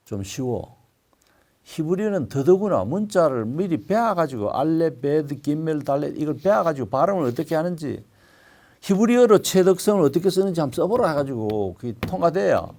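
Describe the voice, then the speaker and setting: An older male pastor preaching a sermon, telling stories with sudden loud, emphatic swells. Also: medium pitch, vocal fry.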